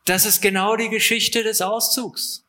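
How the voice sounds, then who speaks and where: Bright-voiced male interpreter. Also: sits high, flat delivery. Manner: quick, matter-of-fact rendering with filler sounds. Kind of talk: live consecutive interpreting.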